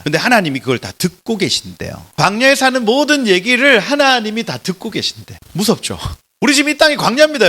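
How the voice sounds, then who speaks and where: A man preaching a lecture-style sermon in a church, emphatic and animated, swinging between loud exclamations and soft drops. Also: high-pitched. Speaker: pastor giving a Bible lecture.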